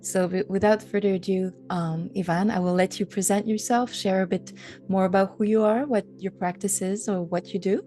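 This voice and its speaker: A woman hosting an interview, gentle and effusive, with soft affirmations. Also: mid-range voice, steady tone, normal speed. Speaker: host.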